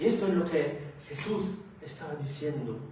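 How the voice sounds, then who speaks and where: A man with a non-native accent speaks at a very slow pace with ordinary pitch variation, with audible room echo and noticeable background noise. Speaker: preacher. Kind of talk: sermon. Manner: halting, self-correcting.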